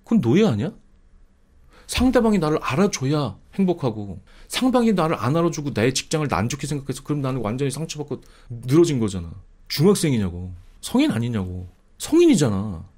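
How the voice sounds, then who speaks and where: A man's voice: mid-range voice, brisk. A middle-aged man giving impassioned advice to his viewers, scolding them and mocking their complaints in whiny quoted voices. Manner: animated, mock-quoting others in whiny voices, scolding. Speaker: video creator answering viewer comments.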